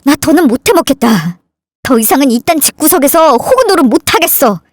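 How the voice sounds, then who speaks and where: A woman's voice: high voice, very animated, fairly quick, a little mellow, dry recording, clean studio sound. A woman voicing a resentful grown son who is fed up with his family, in a dramatized story reading. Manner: bitter, accusing.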